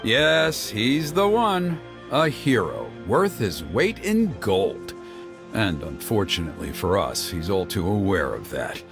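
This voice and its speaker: An earnest tribal man in a video game. His delivery swings widely up and down, expressive and easily exasperated. Prominent music plays behind him. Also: lowish voice, slow pace, vocal fry, exaggerated voice. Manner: expressive, grumbling, mimics others mockingly. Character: earnest, exasperated tribal elder man organizing a fire ceremony. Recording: loud background music over voice.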